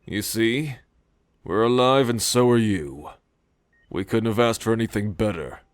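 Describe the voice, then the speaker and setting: A man acting a brisk, direct character in an audio drama. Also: lowish voice, no room sound, natural voice. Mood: assured.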